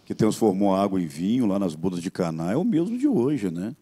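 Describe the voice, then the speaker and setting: A middle-aged man with a Brazilian accent, a pastor giving his testimony on a gospel TV show. He speaks in an earnest, measured preaching tone. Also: lowish voice, big pitch swings, warm tone, breathy edge. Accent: Brazilian Portuguese.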